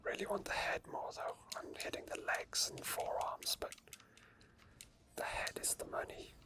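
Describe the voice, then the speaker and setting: A person whispering softly, very close to the microphone, in unscripted ASMR game commentary and chat. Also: measured pace. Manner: soft whispering throughout. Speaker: ASMR gaming video creator. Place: indoor gaming setup at a computer. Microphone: microphone very close to the mouth.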